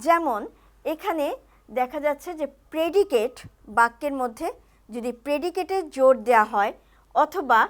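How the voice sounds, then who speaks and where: A woman hosting a television language lesson, explaining each sentence clearly to viewers. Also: high voice. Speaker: TV talk show host.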